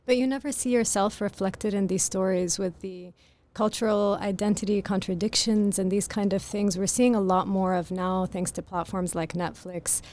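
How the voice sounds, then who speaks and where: A woman author with a very soft voice, answering interview questions in a thoughtful, articulate and earnest way. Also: mid-range voice, fairly even intonation, normal speed. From grew up in Greece. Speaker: author guest. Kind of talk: podcast interview.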